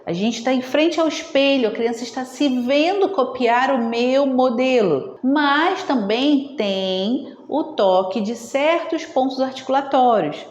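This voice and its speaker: Speech therapist, a woman with a slightly high voice, chatty teaching style, long room reverb. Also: a little slow, hardly any pauses, lo-fi sound. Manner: conversational, frequent tag questions. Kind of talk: explanatory video lesson. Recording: roomy echo with long reverb.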